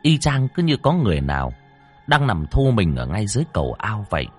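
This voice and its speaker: A man's voice: fairly low pitch, very animated, a little fast, husky, faint music behind. A man narrating a ghost story in a suspenseful, dramatic way.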